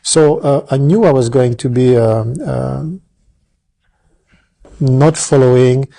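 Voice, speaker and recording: A middle-aged man with a French accent, talking as an interview guest, pausing often with many fillers and restarts. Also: medium pitch, steady tone, gravelly, dark tone, dry recording. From France. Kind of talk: casual interview.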